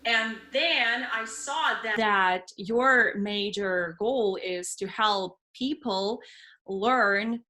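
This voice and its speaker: A woman with a Ukrainian accent answers interview questions as an English teacher. Her voice sits at an average pitch. She speaks earnestly and deliberately, often repeating phrases. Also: sharp tone, rough recording.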